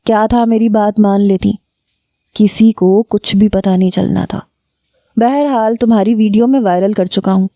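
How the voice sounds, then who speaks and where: Gloating young guy threatening on the phone, slow and dark toned, woman reading it. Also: mid-range voice, fairly even intonation, dry recording, natural voice. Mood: gloating menace. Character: menacing young man blackmailing over phone.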